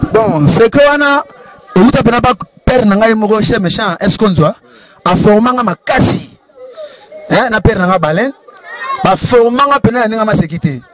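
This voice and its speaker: A man's voice: high-pitched, expressive, normal speed. A man from Congo presenting a wrestling club event, calling out names and rallying the crowd. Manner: calls out names and rallies the crowd. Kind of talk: lively mixed French and Lingala talk.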